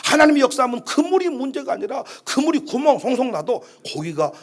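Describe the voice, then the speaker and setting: A male pastor preaching a sermon at a church prayer meeting, swinging from hushed asides to impassioned shouts. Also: extremely high pitch, sing-song, a little fast.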